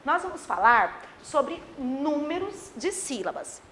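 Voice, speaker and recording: A woman's voice: high voice, very animated, slow, a bit bright, slight background noise. A woman teaching a grammar lesson to children, acting out her pupils' questions herself. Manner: plays imagined pupils' questions.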